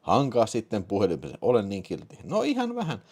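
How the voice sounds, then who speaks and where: A squeaky, panting woman on the phone, played by a man in falsetto, lustful and breathless. It is a comic dramatic reading of an erotic story. Her pitch swoops wildly from line to line. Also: huge pitch swings, darkish tone, husky, exaggerated voice. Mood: breathless, lusty. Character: aroused middle-aged woman caller on the phone.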